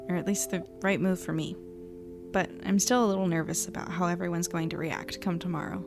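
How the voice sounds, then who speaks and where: An actress playing an earnest, slightly uncertain newspaper reporter, talking in a natural, conversational way. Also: female voice, mid-range voice, gravelly, natural voice. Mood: nervous, resolute. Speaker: young reporter. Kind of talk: naturalistic audio drama acting.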